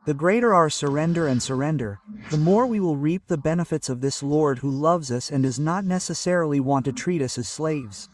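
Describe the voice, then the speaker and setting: A pastor preaching a sermon in a measured way, citing scripture as he goes. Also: on the high side, no echo, far from the mic.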